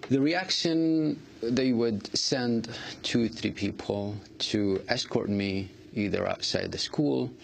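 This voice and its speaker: A man answering interview questions earnestly, halting often with fillers and restarts. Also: mid-range voice, creaky, a little hiss or hum. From Iraq. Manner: halting, many fillers and restarts, non-native grammar. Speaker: artist guest.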